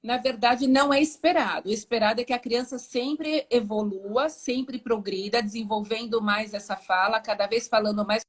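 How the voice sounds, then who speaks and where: Brazilian lady speech therapist on a video call, kinda high voice, patient, singsong when showing words. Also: moderate pace, hardly any pauses. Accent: Brazilian Portuguese. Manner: patient, demonstrates words in a singsong child-directed voice. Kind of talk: explanatory talk in a live stream.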